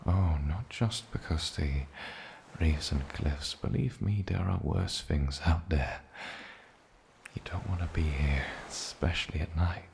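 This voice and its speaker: A man playing an eccentric, lonely, ancient island demon in a soft-spoken fantasy ASMR roleplay, with a gravelly low voice and musing, polite pauses. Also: a little hiss or hum. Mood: ominous.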